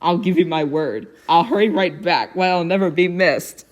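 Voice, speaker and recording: A woman's voice: lowish voice, normal speed, natural voice. A woman reading aloud as a lazy mother bird in a storybook, coaxing and pleading. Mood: sweetly coaxing.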